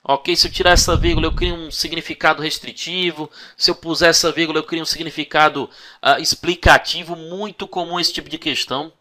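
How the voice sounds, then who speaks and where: A man teaching an exam-prep video lesson, lively and coaxing, always checking in with his students. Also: on the high side, a little fast.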